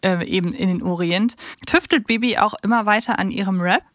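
A woman with a mid-pitched voice, recorded dry and close. She co-hosts a podcast in a casual, conversational recapping style. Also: brisk, fairly bright tone, no echo. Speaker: podcast co-host. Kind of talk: casual chat recapping an audio play.

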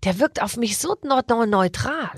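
A woman hosting a podcast, chatting in a lively, joking way. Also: fairly high pitch, breathy edge, dry recording. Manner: lively, joking, quick to laugh. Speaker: podcast host. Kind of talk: casual chat.

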